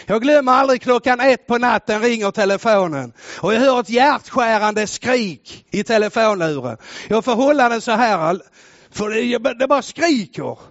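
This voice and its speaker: A man preaching a sermon with fervor, rising to shouts and dropping to quiet storytelling. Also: extremely high pitch, lively intonation, no room sound, muffled recording. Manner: fervent, builds to shouts, then drops to quiet storytelling.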